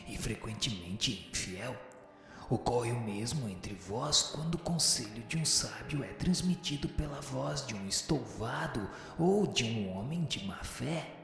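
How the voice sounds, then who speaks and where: A man's voice: mid-range voice, fairly bright tone. A man playing an echoing, solemn spirit teacher. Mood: solemn, instructive. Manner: formal, didactic, measured. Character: solemn wise male spirit teacher answering questions. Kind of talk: radio drama dialogue. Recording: reverberant echoing hall, music underneath. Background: music.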